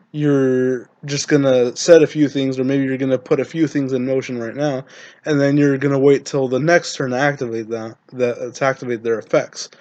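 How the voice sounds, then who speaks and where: A man with a hoarse voice from being sick, giving casual card-game deck-building tips to his viewers in a halting way, with many fillers and restarts. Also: mid-range voice, a little mellow, no echo, highs cut off. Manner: hesitant, many ums and restarts. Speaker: Yu-Gi-Oh content creator.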